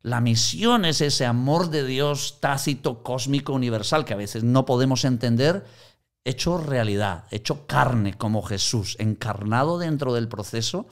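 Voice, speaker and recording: In an unhurried, medium-pitched voice, a man shares anecdotes as part of a casual teaching on Christian mission. He is a lively storyteller who acts out each quoted voice.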